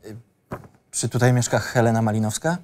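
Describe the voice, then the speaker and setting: A male actor plays a young son in a radio play, casual and a little awkward. His voice is mellow and soft-edged, his phrasing hesitant and lightly teasing. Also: medium pitch, a little fast, a little hiss or hum, natural voice. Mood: hesitant, subdued. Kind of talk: script reading for audio drama.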